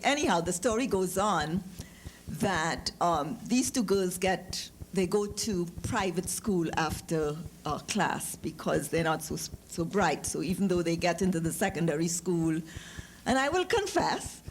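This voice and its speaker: A woman's voice: lowish voice, animated, normal speed. Trinidadian woman reading aloud, noisy recording. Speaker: author giving a public reading. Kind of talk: literary story reading with informal asides. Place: live lecture event. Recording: noticeable background noise, clicks.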